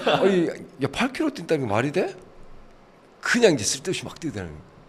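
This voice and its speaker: Over noticeable background noise, a man speaks very fast at a fairly high pitch, with very wide pitch swings. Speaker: football head coach. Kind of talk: casual talk show interview.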